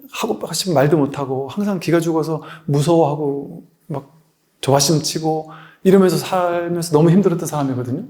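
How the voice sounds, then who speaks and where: A man's voice: on the high side, warm tone. A man, a Buddhist monk, giving a dharma lecture in a conversational way, asking rhetorical questions and telling anecdotes.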